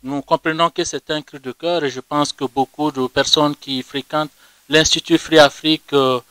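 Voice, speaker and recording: A man with a West African French accent formally moderating a panel in halting, measured phrases. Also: on the high side, steady tone, bright, forceful tone, clean tone, no echo.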